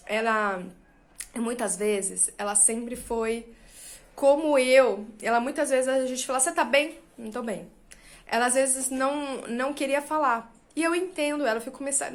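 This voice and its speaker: A high-pitched woman in her thirties with a Brazilian Portuguese accent talks straight to her viewers. She is confiding and animated, tossing in little tag questions as she goes. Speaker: astrologer and channel host. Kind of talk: casual personal talk to viewers.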